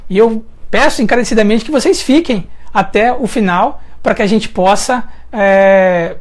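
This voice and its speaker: A woman's voice: medium pitch, a little slow. A woman from Brazil with a Brazilian Portuguese accent, hosting a casual live chat, reading viewer questions and answering them while thinking aloud with frequent hesitations. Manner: addresses viewers directly, friendly and informal.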